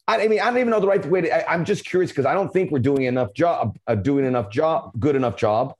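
A man from Miami hosting a podcast, halting as he searches for his words and leaning on many fillers. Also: a little high, lively intonation, darkish tone. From Miami, United States. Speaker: podcast host. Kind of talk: podcast interview.

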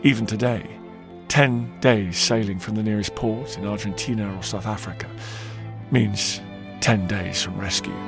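A man's voice: fairly low pitch, normal speed, gravelly. Male narrator, documentary podcast host, dramatic emphatic read, music bed under voice. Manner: dramatic, emphatic storytelling delivery. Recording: narration over loud music.

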